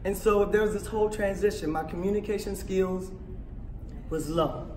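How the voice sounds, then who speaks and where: A raspy-voiced woman, animated and emphatic, telling her story on a panel and laughing often. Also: medium pitch, moderate pace, reverberant, distant mic, a little hiss or hum. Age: 50s. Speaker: panel speaker, veteran author. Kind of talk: conversational storytelling. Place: small indoor room at a conference.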